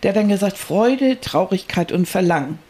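A woman with a slightly husky voice at a middle pitch, chatting on a podcast. She explains ideas reflectively, with lots of fillers and self-corrections as she goes. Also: animated, normal speed. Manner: explanatory, many fillers and restarts, gently reflective. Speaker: podcast co-host. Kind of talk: casual conversational chat.

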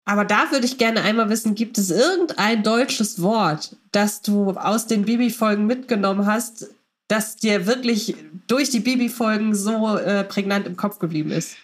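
A woman's voice: medium pitch, normal speed. A woman hosting a casual group podcast, chatty and organized as she passes the word to each guest in turn. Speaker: podcast host. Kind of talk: casual moderated group chat.

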